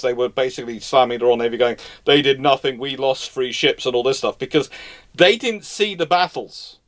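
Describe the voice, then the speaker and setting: A man hosting a live question and answer session, talking informally and knowledgeably, often restarting and repeating his phrases. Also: medium pitch. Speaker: host answering audience questions. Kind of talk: live Q&A, casual history talk.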